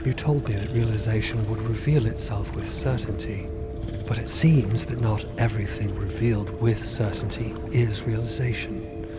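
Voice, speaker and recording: An actor playing an earnest, uncertain undead disciple in a fantasy audio drama, hesitant and solemn as they search for answers. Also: male voice, fairly low pitch, steady tone, moderate pace, over loud music, close to an everyday voice.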